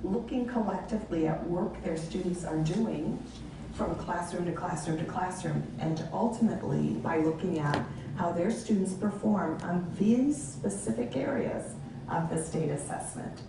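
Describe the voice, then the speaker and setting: Lower woman narrating, echoey from afar. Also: normal speed, background noise. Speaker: narrator of a training video. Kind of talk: scripted narration. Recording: echoey video played in a room from far off.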